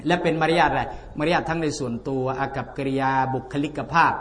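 A man's voice: fairly high pitch, fairly even intonation, quick pace, a bit bright. A man giving a conversational religious sermon to a congregation, folksy, often asking the listeners rhetorical questions. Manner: chants scripture passages. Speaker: Islamic religious teacher.

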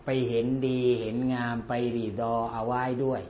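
A man's voice: mid-range voice, flat delivery, moderate pace, a little mellow, a little hiss or hum. A man giving an informal religious lecture, joking bluntly in everyday speech and chanting Arabic passages.

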